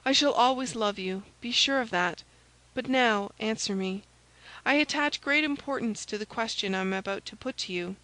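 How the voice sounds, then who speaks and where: A woman's voice: a little high, normal speed, pushed and bright, dry recording, rough recording. A gallant young soldier of an adventure storybook, read by a woman. He speaks decisively and reassuringly, in a dry, close recording. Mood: earnest, commanding. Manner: commanding, reassuring.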